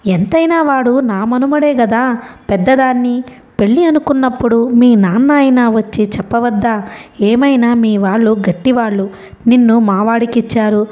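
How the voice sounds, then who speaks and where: A woman's voice: fairly high pitch, warm tone, lightly acted. A woman voicing a domineering, possessive old grandmother who scolds and mocks in a raised, sarcastic voice. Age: older.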